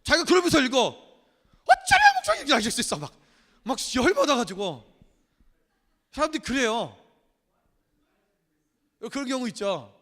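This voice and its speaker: High, lively pastor preaching in a hall. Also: male voice, moderate pace, pauses often. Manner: animated, acting out quoted voices. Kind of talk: sermon. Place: church sanctuary. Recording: church hall with long reverb.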